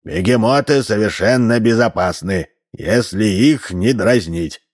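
Man voicing an old pedantic neighbour, slow, lecturing, storybook. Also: fairly low pitch, a little mellow.

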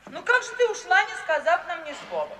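Radio drama: scolding middle-aged matron, very animated, emphatic delivery, distant noisy 1950s sound. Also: female voice, very high voice, fast talker, heavily acted. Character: bossy middle-aged mother, worldly and short-tempered. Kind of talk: theatrical radio drama acting. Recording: noisy 1950s recording, distant and echoey hall.

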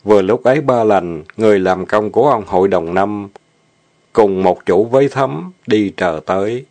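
A man narrating a dramatic story reading, steady and plain. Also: lowish voice, normal speed. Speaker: story reader.

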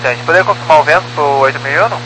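A man's voice: on the high side, very fast. A male pilot making brief procedural calls over aviation radio. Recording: noisy humming aircraft radio transmission.

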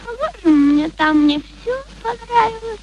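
A woman's voice: very high voice, animated, unhurried, a little mellow, highs cut off, slight background noise, exaggerated voice. An actress playing a brash, naive young flower girl with uneducated, exclamatory chatter in a radio play. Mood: naive wonder.

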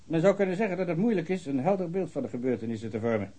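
An actor playing a long-winded, pedantic police officer in a radio drama. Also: male voice, a little high, lively intonation, racing, dark tone, husky. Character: fussy male police officer reading a report.

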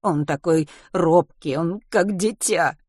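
A woman's voice: lowish voice, takes it slowly, a little mellow, husky, no echo, studio quality. A woman reading an audiobook and voicing a fretful, tearful middle-aged mother who laments emphatically about her sons. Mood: tender.

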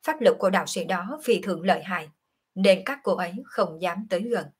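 A woman reading a calm, confiding young woman. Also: lowish voice, brisk, breathy edge. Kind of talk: audiobook character reading.

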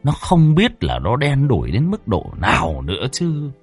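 A man narrating a ghost story in a lively, expressive, dramatic way. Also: medium pitch, measured pace, slightly rough, soft background music.

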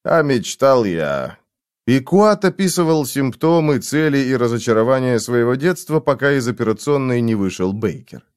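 A man reading an audiobook narration in a measured storytelling manner. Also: medium pitch, expressive, darkish tone, clean tone, dry recording, clean studio sound. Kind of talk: scripted narration.

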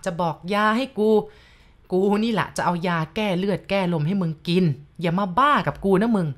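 A woman's voice: on the low side, normal speed, lightly acted. Woman doing a stern, hot-tempered grandfather. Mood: angry. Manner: blunt, sharp when angry.

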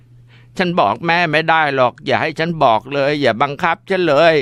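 A man's voice: drawn-out words, mellow, smooth, no echo. A man voicing a frightened young daughter who cries and pleads in pain. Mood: crying, fearful. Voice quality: crying, high and strained.

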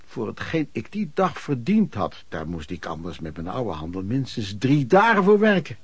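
An actor playing a hardworking itinerant peddler, looking back on his life in colloquial, reflective radio drama narration with a husky voice. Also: medium pitch, huge pitch swings, normal speed, no room sound, full character voice. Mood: proud, content.

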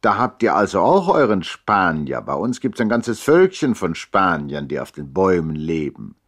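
A man voicing a blunt market-day peasant in a radio play, loud, hearty and exclaiming. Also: low voice, big pitch swings, moderate pace, exaggerated voice. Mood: hearty, amused. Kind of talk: 1960s radio play storytelling.

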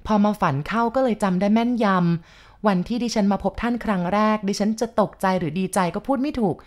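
A woman's voice: mid-range voice, fairly quick, a little mellow, pitched above the performer's own voice, lightly acted. A woman reading a novel aloud, voicing a shy and devoted teenage girl who speaks politely and hesitantly. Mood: earnest.

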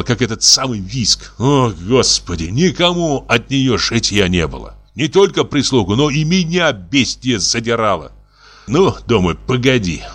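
A man reads a classic tale aloud with theatrical flair. His pitch sits in the middle but swings widely and freely as he leans into the storytelling. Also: fairly bright tone. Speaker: audiobook reader. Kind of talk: expressive literary reading.

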